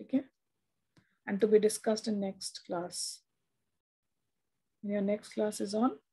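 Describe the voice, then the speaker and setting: A woman's voice: medium pitch, steady tone, slow pace, dark tone, breathy edge. A woman with a South Asian accent tutoring a student in physics, explaining and often checking understanding with short tags. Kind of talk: one-to-one spoken lesson.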